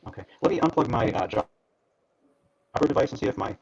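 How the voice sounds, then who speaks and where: A man giving a live coding demo as a guest, talking in a halting way with many fillers while his call audio breaks up. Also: medium pitch, big pitch swings, a little mellow, breathy edge. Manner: halting, full of fillers and restarts. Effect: choppy, breaking-up call audio. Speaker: guest demonstrating software. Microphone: computer headset on a video call. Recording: dull lo-fi online call audio.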